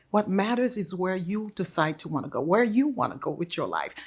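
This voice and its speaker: The recording is very clean and the background silent. A woman speaks in a somewhat breathy voice. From Haiti. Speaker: women's empowerment coach and speaker. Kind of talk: interview.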